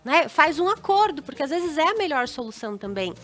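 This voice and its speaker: A woman's voice: sits high, sing-song, brisk, fairly bright tone, faint music behind. A woman with a Brazilian Portuguese accent giving relationship advice as a TV guest, instructive, acting out little dialogues. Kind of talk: advice talk on a TV show.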